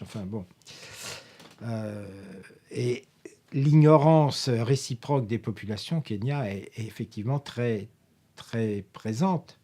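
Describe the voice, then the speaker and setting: Older French professor, interview guest, husky voice, a middle pitch, wandering anecdotal delivery full of pauses. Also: male voice, darkish tone. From France. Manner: rambling, with many hesitations and self-corrections. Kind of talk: filmed interview, anecdotal recollection.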